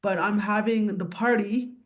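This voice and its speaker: A podcast host in their forties in casual interview chat, talking in an upbeat, quick way. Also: medium pitch, steady tone. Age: 40s.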